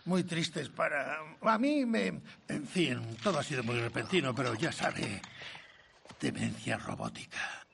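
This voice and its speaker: A man's voice: medium pitch, big pitch swings, unhurried, gravelly, background noise. An older man playing an eccentric, theatrical aristocrat who rambles, in a film dub. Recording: film soundtrack with music under.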